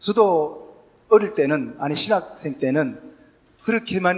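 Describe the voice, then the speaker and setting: Over noticeable background noise, a man speaks high for a man, his pitch swinging very widely. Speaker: guest pastor. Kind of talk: sermon.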